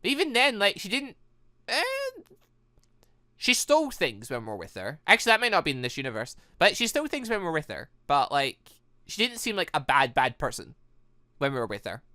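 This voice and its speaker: Gaming host, bright and very lively, rambling giggly reactions, dry close sound. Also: medium pitch, fairly quick, dry recording. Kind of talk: excited reaction commentary over a visual novel.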